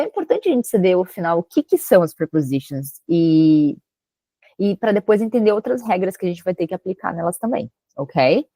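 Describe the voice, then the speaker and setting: A woman teaching an English lesson who often checks in with her students and reads the English example sentences slowly and carefully. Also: lowish voice, a little mellow, no room sound. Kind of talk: online language lesson.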